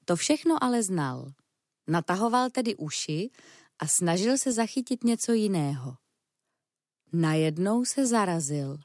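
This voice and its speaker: A woman reads a children's story aloud, calm and even as she tells it. Her voice sits on the low side, and the recording is close and dry. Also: no room sound. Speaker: narrator.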